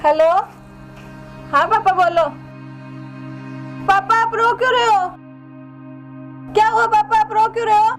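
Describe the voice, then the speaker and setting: Daughter-in-law played by a woman, very high voice, tearful and pleading, soft music under. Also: steady tone, measured pace, long pauses, rough recording. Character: remorseful young daughter-in-law. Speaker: daughter-in-law in a family skit. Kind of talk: low-budget comedy skit acting.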